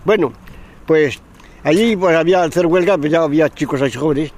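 An older man in casual reminiscence, with a fairly high voice and a brisk pace. He stumbles over and repeats words, recorded outdoors with traffic about. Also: a little mellow. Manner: hesitant, searching for words, repeats himself. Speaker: interviewee.

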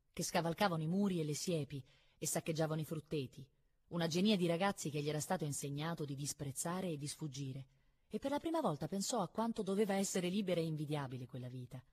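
A woman reading a novel aloud in a calm, measured narrating voice. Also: sits low, slightly rough. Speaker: reader.

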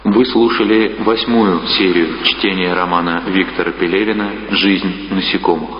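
A man's voice: deep voice, steady tone, moderate pace, slight background noise. A man making a formal scripted announcement as a radio announcer. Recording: dull radio recording, long reverb, music.

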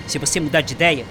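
A man's voice: fairly high pitch, lightly acted. An actor in a radio drama playing an arrogant young male shop clerk who taunts and laughs mockingly. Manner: sneering, laughs often, taunting.

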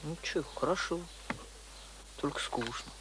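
A man's voice: a little high, a little slow, noisy background, natural voice. An actor playing a simple young village boy in a radio play, with plain colloquial speech. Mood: wistful. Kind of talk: radio drama acting.

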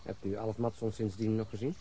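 A man's voice: lowish voice, flat delivery, a little fast, mellow, slight background noise, lightly acted. An actor playing a sardonic male police detective in a radio drama. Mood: questioning. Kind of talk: Dutch radio drama acting.

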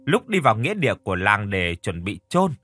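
A man narrating a horror audio story in a steady storytelling manner, acting out the characters' lines. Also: fairly low pitch, fairly quick, dry recording.

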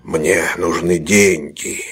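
A man voicing a brutal, desperate male robber with a slow, threatening delivery. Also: fairly low pitch, a bit bright, husky, soft background music. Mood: menacing.

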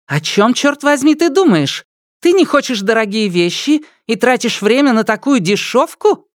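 A man voicing a spoiled, furious rich teenage girl in an audiobook, shrill, mocking and scornful. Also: very animated, normal speed, dry recording, studio quality. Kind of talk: audiobook character voice.

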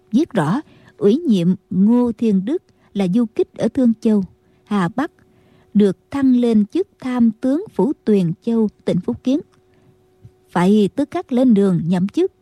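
A woman reading a martial-arts audiobook in a very dark, mellow voice with a husky edge. Her pitch sits a bit high for her, and the sound is dry and close. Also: expressive, unhurried, dry recording. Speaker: audiobook narrator. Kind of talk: scripted martial-arts novel narration.

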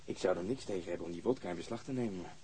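Actor as terse, low-voiced police detective. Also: male voice, racing, dark tone, slight background noise, close to an everyday voice, rough recording. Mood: businesslike. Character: brisk, sardonic, thorough male police detective. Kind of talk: radio drama acting.

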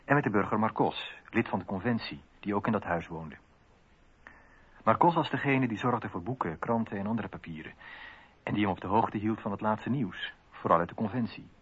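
An actor playing a man who recalls a hidden friend in a measured radio play monologue. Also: fairly low pitch, slightly rough. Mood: fond, reflective. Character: male memoirist fondly recalling a hidden friend. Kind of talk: reminiscing monologue in radio drama. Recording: slightly dull radio recording.

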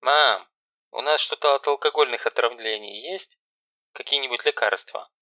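A man's voice: medium pitch, moderate pace, bright, forceful tone, no echo, pitched above the performer's own voice, lightly acted. Man doing a harsh, commanding bossy sister. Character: stern, sarcastic young woman, the bossy older sister. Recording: dull lo-fi recording.

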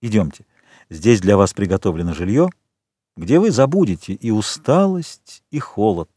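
A man's voice: lowish voice, expressive, normal speed, mellow, no room sound, studio quality. A male audiobook reader voicing a composed, courteous nobleman count in a storybook reading. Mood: warm courteous.

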